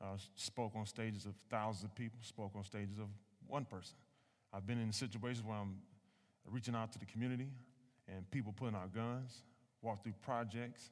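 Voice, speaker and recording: A man with an American accent talks fairly quickly in an animated tone at a fairly low pitch, leaving long, frequent pauses. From Cleveland, Ohio. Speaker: pastor. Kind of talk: sermon.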